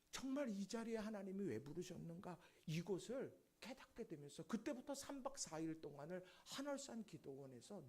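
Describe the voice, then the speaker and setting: A man's voice: high voice, vocal fry, a little mellow, husky. A man preaching a sermon in a church, telling a testimony story and acting out the voices of the people in it. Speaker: pastor. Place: church sanctuary.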